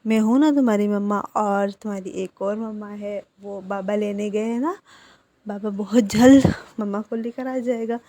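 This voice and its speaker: A woman's voice: medium pitch, steady tone, normal speed, dry recording, close to an everyday voice. A woman voicing a protective young man. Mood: soothing. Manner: firm scolding, then gentle soothing.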